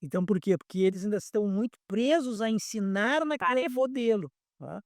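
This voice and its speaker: A man's voice: high-pitched, expressive, fairly quick, no room sound, studio quality. A man, an airline pilot examiner explaining things patiently in a podcast interview and often repeating words as he searches for them.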